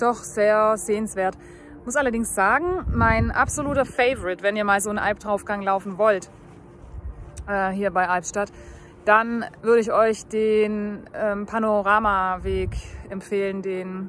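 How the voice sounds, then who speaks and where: Faint music sits behind a woman speaking fairly slowly with fairly even intonation, in a dry sound with no echo. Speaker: hiking vlogger. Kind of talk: casual vlog chat. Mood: relaxed, reflective. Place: open country. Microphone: phone near.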